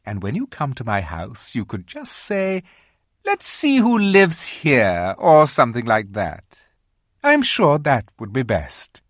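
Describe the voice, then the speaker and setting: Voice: medium pitch, wildly swooping pitch, slow pace, no room sound, studio quality, pitched above the performer's own voice, full character voice. A reader voicing a cunning, imperious witch queen who coaxes and commands in a storybook reading. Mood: coaxing. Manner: coaxing, commanding. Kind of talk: audiobook reading.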